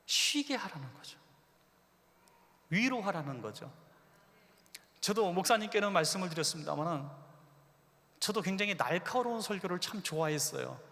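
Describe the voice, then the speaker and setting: A man delivers a revival sermon in a church sanctuary, his raised, gravelly voice rising and falling dramatically. He acts out quoted lines as he tells stories. A long hall reverb trails every phrase. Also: sits high, moderate pace, long pauses. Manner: animated storytelling preacher, acts out quoted voices. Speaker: pastor.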